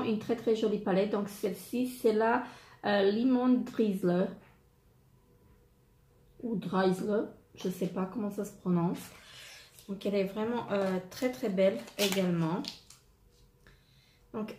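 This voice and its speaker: A woman presenting makeup palettes in a casual unboxing vlog, hesitant and full of fillers and repeated words. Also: medium pitch. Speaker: beauty vlogger. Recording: echoey room, faint noise. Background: wind noise.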